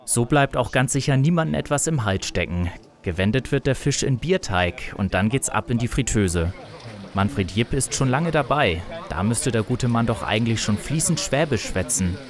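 A man's voice: medium pitch, expressive, normal speed. A man reading scripted, light feature narration as a TV reporter. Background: music.

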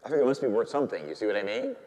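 Animated priest preaching in a church hall. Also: male voice, very fast. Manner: animated storytelling, swings from hushed to high excited voice. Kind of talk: sermon.

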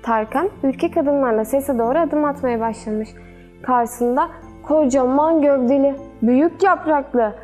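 A woman storyteller reading a children's fairy tale in a gentle, measured way. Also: high voice.

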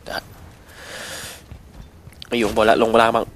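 A man with a cold casually commentating a shooting game as a channel host, excitable and swearing at the action. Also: lowish voice, normal speed, a little hiss or hum. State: has a cold.

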